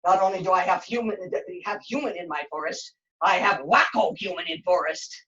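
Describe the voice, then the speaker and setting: A woman voicing a grumpy forest monster in a puppet show, blunt and gruff, talking in broken grammar. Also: fairly low pitch, brisk, fairly bright tone, lo-fi sound, close to an everyday voice. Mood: exasperated. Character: grumpy forest monster, blunt, easily exasperated, secretly kind.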